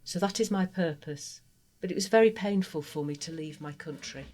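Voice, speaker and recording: A trans woman from Guatemala, a native Spanish speaker, telling her life story in an interview with an earnest, heartfelt, measured manner. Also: lowish voice, darkish tone. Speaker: interview guest. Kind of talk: personal testimony interview.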